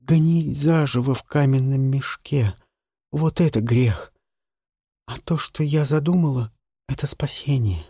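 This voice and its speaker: A man voicing a dying imprisoned woman who speaks slowly, weary and bitter. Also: medium pitch, dark tone, slightly rough, no room sound, studio quality. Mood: desperate.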